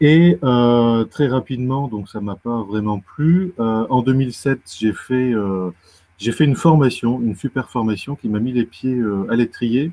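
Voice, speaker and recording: Very slow speech from a man at a medium pitch, with ordinary pitch variation. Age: 30s. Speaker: alternative health practitioner. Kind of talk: interview. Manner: hesitant, many fillers.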